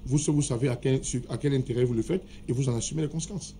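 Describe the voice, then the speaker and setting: Man, insistent debater, mellow dark voice, faint background noise. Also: medium pitch, fast. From Cameroon. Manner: insistent, keeps demanding to finish speaking. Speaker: political debate panelist. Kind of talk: heated studio debate.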